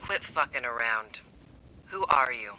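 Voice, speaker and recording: A man's voice: mid-range voice, expressive, a little slow, sharp tone, a little hiss or hum, low-quality recording. An actor playing a defiant, suspicious man in hiding in a video game, taunting and sardonic.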